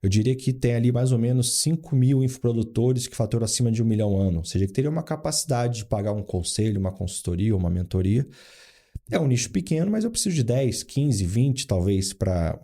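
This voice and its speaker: Speaking a little fast in a mellow, expressive mid-range voice, a man in his forties from Rio de Janeiro shares business anecdotes during a casual interview. As a founder and board adviser, he acts out quoted dialogue within his stories.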